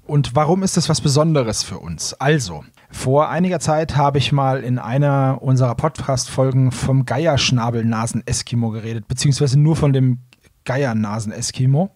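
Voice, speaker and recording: Casting: male podcast host, casual, mid pitch, husky, dry sound. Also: moderate pace, darkish tone, no room sound.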